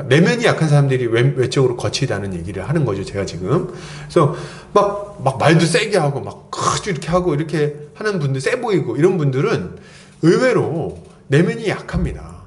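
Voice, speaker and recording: A middle-aged man preaching an expository sermon as pastor, conversational and playful, with acted-out quotes and asides. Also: a little high.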